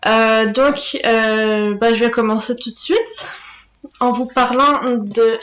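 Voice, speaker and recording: Woman booktuber, slightly high voice, chatty and hesitant, recorded in a roomy, echoey space. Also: steady tone, slow, a bit bright. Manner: chatty, hesitant, many fillers and restarts. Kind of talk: casual book review vlog. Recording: echoey room.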